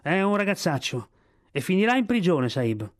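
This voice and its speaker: A man's voice: on the high side, normal speed, darkish tone, natural voice. A man reading aloud, voicing a stern elephant-driver father who scolds his son. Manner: gruff, scolding.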